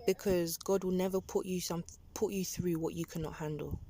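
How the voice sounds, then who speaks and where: A woman's voice: fairly low pitch, fairly even intonation, normal speed, warm tone. Young woman telling her story matter-of-factly. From London. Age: 20s. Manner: plain, matter-of-fact telling with restarts. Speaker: taxi rider, guest. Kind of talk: personal life story told in conversation. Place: back of a taxi. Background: child's noise and ambience.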